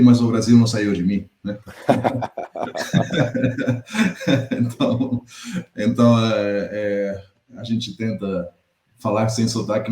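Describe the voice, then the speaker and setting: A middle-aged man from Argentina with an Argentine accent, speaking as a podcast guest in a measured, thoughtful way, often pausing to find his words. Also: deep voice, dark tone. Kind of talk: podcast interview. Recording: echoey room.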